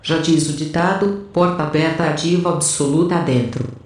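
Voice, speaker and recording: Uma mulher interpretando uma imediata de nave debochada e sarcástica, em audiodrama. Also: female voice, sits low, steady tone, moderate pace, lightly acted. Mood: sarcastic. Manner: sarcastic, cheeky. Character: cheeky, foul-mouthed female first mate, sarcastic. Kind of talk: audio drama dialogue. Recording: very echoey room.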